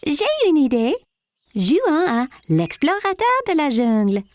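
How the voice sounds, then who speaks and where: A woman's voice: sits high, sing-song, slow, a little mellow, heavily acted. A woman voicing an inventive, playful little girl in a children's cartoon dub, with an eager way of talking. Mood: playful, excited.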